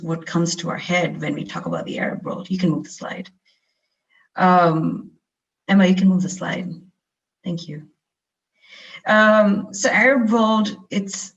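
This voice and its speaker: A woman's voice: low-pitched, creaky, highs cut off. A young woman from India giving a webinar lecture over a video call, talking conversationally with many fillers and restarts. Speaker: guest lecturer.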